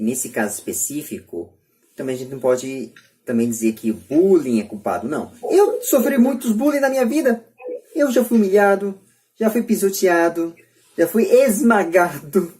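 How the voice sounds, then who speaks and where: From home on a remote group call, a Brazilian-accented man makes earnest, opinionated podcast points, repeating himself emphatically to drive them home. His voice sits high with a dark tone.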